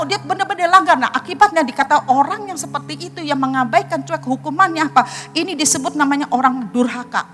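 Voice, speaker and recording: A middle-aged woman pastor with a high voice delivers a sermon, weaving a personal story into her preaching. She speaks earnestly and turns to the congregation directly. Soft music plays faintly underneath. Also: in a large hall.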